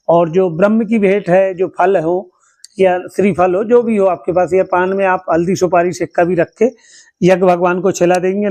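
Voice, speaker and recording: A man leading a home fire ritual as priest, giving plain step-by-step instructions between slow, drawn-out chants. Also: high voice, a little mellow.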